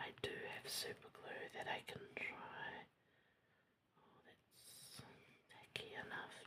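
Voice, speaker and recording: Someone whispers in a New Zealand accent. Long pauses come often. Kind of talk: ASMR craft video, casual talk to camera. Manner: whispered.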